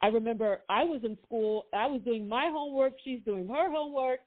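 A woman's voice: fairly high pitch, brisk. A woman hosting an interview, speaking in a chatty, enthusiastic way. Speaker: host. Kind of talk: casual interview chat. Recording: tinny phone line.

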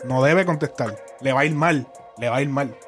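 A man's voice: mid-range voice, a little fast, a bit bright. A young man with a Puerto Rican accent, hosting a music commentary show in emphatic, profanity-heavy casual talk with many restarts. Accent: Puerto Rican Spanish.

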